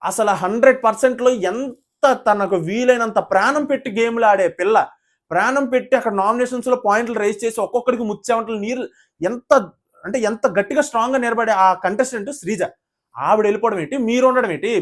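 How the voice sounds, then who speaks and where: Indignant fast-talking male reviewer. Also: very high voice. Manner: indignant, rapid ranting, addresses viewers as brother. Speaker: YouTube reviewer of a reality show. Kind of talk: opinionated video review monologue.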